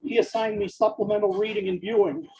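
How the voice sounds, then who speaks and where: Reading fiction aloud as dictation, a person speaks in brief, stop-start phrases and names each punctuation mark. The voice is husky and gravelly yet mellow, at a medium pitch, on a rough recording.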